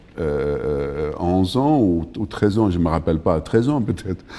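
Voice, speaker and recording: Over noticeable background noise, a man talks at a moderate pace. His very deep, low pitch has lively intonation. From Iraq (Baghdad). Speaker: poet. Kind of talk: interview. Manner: hesitant, many fillers.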